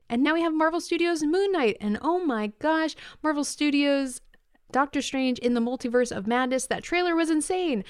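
A woman's voice: a little high, clear, resonant tone, no echo. A woman co-hosting a podcast in casual chat, upbeat and enthusiastic as she reads out listener messages on a studio mic. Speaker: podcast co-host.

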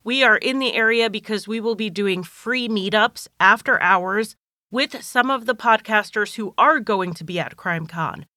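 Bright-voiced woman podcast host, a bit sinusy. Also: medium pitch, normal speed, no room sound, clean studio sound. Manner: chatty and organized, talks straight to listeners. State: recovering from a cold, slightly nasal. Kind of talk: casual solo podcast monologue.

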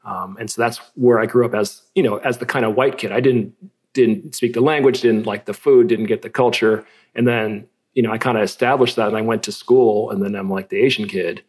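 A man's voice: fairly low pitch, steady tone, fairly quick, a little mellow, husky. A middle-aged man from California, a guest artist talking reflectively in an interview, with restarts and fillers. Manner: reflective, self-deprecating, many restarts and fillers. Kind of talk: relaxed conversational interview.

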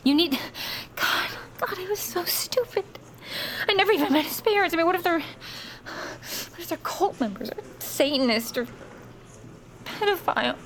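A woman's voice: very high voice, animated, moderate pace, full character voice. A woman playing a desperate mother whose young son has vanished, pleading and strained. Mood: frantic. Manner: strained, pleading, cracking into shouts. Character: frantic young mother searching for her son. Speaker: mother of a missing boy, narrator. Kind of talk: audio drama acting and narration.

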